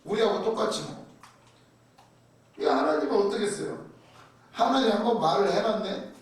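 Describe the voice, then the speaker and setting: A pastor preaching a sermon. He is animated and keeps putting rhetorical questions to his congregation. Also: high-pitched, normal speed. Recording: very echoey hall, mic far off.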